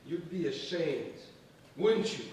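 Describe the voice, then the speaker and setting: A man in a staged reading playing a domineering, menacing secularist strongman, emphatic and theatrical, with deliberate pauses. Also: a little high, expressive, darkish tone, recorded from a distance. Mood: menacing lecturing. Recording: echoey stage from afar, faint noise.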